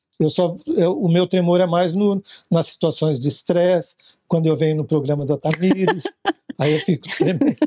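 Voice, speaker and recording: With a dark, mellow tone, a man speaks at a high pitch and moderate pace, his loudness very even and pitch variation ordinary, against a quiet background. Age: 60s. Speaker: interview guest living with Parkinson's. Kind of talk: interview conversation. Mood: calm, slightly hesitant. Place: studio.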